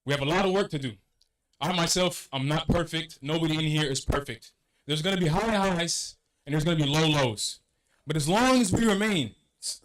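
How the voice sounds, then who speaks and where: A man's voice: on the high side, fairly bright tone, poor audio. A man from Senegal giving a motivational religious address as a mosque youth director, earnest and repeating key phrases for emphasis. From Senegal, West Africa.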